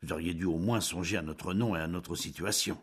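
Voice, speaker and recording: A man voicing an angry, greedy young husband who shouts indignantly in an audiobook. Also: lowish voice, very animated, normal speed, vocal fry, slightly rough, full character voice. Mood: stern.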